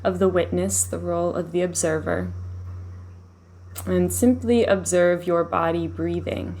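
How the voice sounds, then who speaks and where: Casting: female meditation teacher, lowish voice, soothing and unhurried delivery, noticeable background noise on the recording. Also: fairly even intonation. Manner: soothing, unhurried, gently instructive. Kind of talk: guided meditation, live session.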